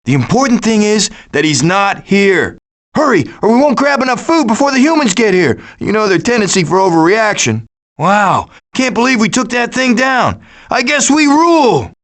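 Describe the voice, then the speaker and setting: High-voiced cocky raccoon schemer RJ. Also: male voice, sing-song, normal speed, a bit bright, heavily acted. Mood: urgent, bossy. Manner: sarcastic, glib, quippy. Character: wisecracking raccoon schemer, cocky male leader of foraging animals. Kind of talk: animated video game voice lines.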